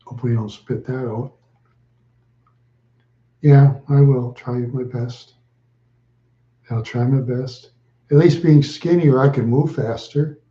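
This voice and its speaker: A man chatting slowly with viewers on a live stream, answering in short, halting phrases and often repeating himself. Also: medium pitch, roomy sound, lo-fi sound. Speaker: livestreamer.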